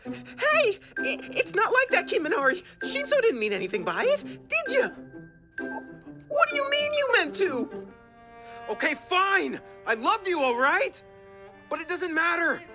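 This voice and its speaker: Man doing flustered high-pitched lovesick anime youth. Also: wildly swooping pitch, measured pace, long pauses, heavily acted. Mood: flustered, heartbroken. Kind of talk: animation demo acting. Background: music.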